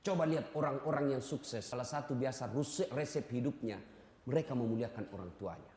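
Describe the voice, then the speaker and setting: A man's voice: medium pitch, fairly quick, a little mellow. A male Islamic preacher from Indonesia delivering a humorous sermon, teasing and exhorting his audience directly. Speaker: ustadz, preacher. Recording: echoey hall with long reverb.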